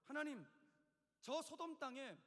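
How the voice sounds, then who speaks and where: A man's voice: very high voice, lively intonation, measured pace, fairly bright tone, full character voice. Preacher guy doing old abraham, pushy urgent pleading, raised voice, echoey hall. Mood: pleading, arguing. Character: Abraham, old man boldly pleading with God.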